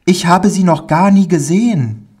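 A man voicing a shy, timid little boy in a storybook reading, with a high, pleading tinged voice. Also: moderate pace, a little mellow, husky. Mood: anxious, eager.

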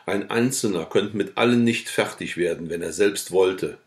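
A hard old farmer refuses to budge, blunt and unmoved, in a low-voiced man's plain reading. The tone is firm and deep, hardly acted. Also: moderate pace. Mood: stubborn. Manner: blunt, stubborn.

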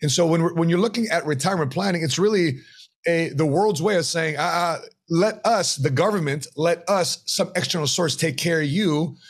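A middle-aged man, a retirement planner, tells his story as an interview guest, animated and acting out quoted voices, in a home office on a podcast mic. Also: a little high, moderate pace, husky. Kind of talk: interview conversation. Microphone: podcast mic on boom arm.

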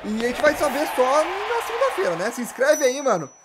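Casting: young football vlogger, very high voice, excited and slangy, talks with his hands. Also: a little fast, very noisy. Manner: animated, gesturing, slangy, frequent restarts. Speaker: football YouTuber. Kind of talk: casual fan commentary to camera. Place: small indoor room with gaming chair.

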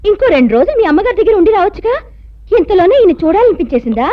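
An actress playing an impulsive, naive young wife who talks fast and excitably. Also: female voice. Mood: teasing. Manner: high, quick and excitable. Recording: dull film soundtrack with music.

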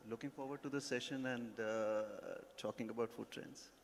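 A man running a restaurant brand, introducing himself on a conference panel, halting with many fillers into a handheld mic. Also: medium pitch, steady tone. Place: large conference stage. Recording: long hall reverb, faint noise.

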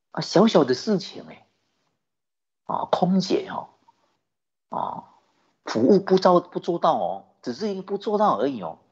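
Buddhist teacher, male, animated sermon delivery, breathy husky tone, muffled low-fi recording. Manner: lively storytelling, rhetorical questions, chuckling. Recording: dull lo-fi recording.

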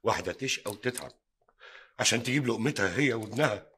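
An actor with an Egyptian accent playing a troubled older husband, indignant and sighing pious exclamations. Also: male voice, fairly low pitch, expressive, quick pace, a bit bright, slight background noise. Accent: Egyptian Arabic. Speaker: husband, a hajj. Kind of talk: Egyptian TV drama acting.

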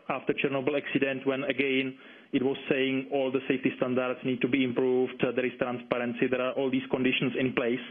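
A man gives explanatory interview answers over the telephone, phrasing carefully and hesitantly. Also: medium pitch. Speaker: interviewed environmental campaigner. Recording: dull, band-limited phone line.

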